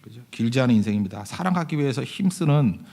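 A male pastor giving a conversational sermon. He tells stories, keeps asking the congregation to agree, and swings from loud emphasis to hushed asides. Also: mid-range voice, lively intonation, fast talker, creaky. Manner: conversational storytelling, often asking the congregation "right?".

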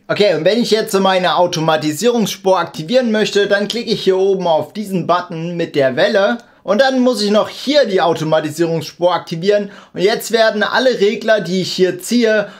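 A young man hosting a casual video editing tutorial, explaining informally and addressing the viewer directly. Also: sits high. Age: young adult. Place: small indoor home studio.

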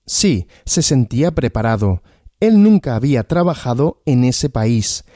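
Male language-podcast host, slow question-and-answer teaching, animated pitch, dry studio sound. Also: no room sound. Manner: asks questions and answers them himself, repeating.

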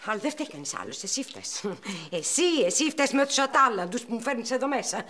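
Shrill diva actress. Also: female voice, big pitch swings, sharp tone. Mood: scornful. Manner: haughty, shrill, theatrical. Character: temperamental diva actress in a porn shoot. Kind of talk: sitcom acting.

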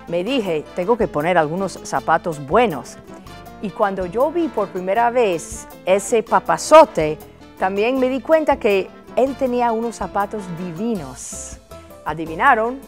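A woman in her fifties with an American accent, English her first language, hosting a chatty, playful TV interview show in a studio with a lapel mic. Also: mid-range voice. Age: 50s. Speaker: host. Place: indoor studio set, armchair.

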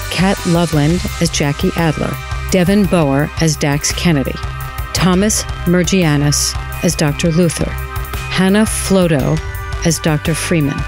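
A man reading scripted closing credits as an announcer. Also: on the high side.

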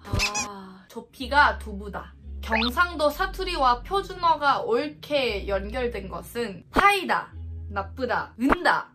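A young woman with a Thai accent, a native Thai speaker, chatting through a quiz vlog indoors. She exclaims loudly when she gets an answer right or wrong. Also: a little high, sing-song, takes it slowly, music in the background. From Thailand. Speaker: vlogger. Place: indoors in a small room.

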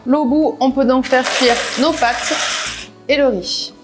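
A woman's voice: high voice, steady tone, slow pace, music in the background. A woman walking through a recipe step by step in a casual cooking voice-over, with practical asides. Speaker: cooking vlogger. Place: home kitchen.

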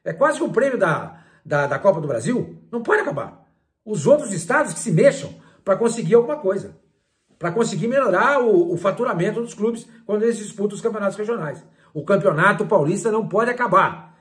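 An older man, commenting on football in a casual, animated way and retelling his conversations. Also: high voice, a little fast. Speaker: sports journalist and commentator. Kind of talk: casual talk-to-camera commentary.

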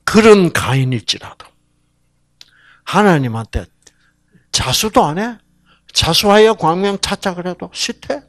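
A man preaching a sermon in a lively, animated way, asking the audience questions and acting out voices. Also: sits high, unhurried, pauses often, no echo, clean studio sound. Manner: animated, rhetorical questions, acts out voices in regional dialects.

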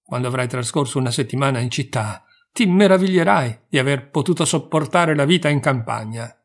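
A man's voice: mid-range voice, animated, brisk. A man reading a fable aloud and voicing a haughty male city mouse who talks down to his country cousin. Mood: condescending. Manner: condescending, showy politeness.

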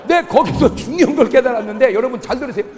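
A man with a high, lively voice preaches a comic revival sermon to his congregation. He tells stories in a storyteller's way and acts out the voices of the people in them. His voice carries a long reverb from the church hall, over a faint room hum. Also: quick pace. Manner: animated storytelling, acting out quoted voices; shouting punchlines to the congregation. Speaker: pastor.

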